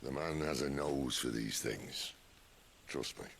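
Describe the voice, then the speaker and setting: A man playing a gruff, wry middle-aged outlaw leader with a gravelly voice in a video game cutscene. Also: very deep voice, a little slow, fairly bright tone, slight background noise, heavily acted. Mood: calm, businesslike.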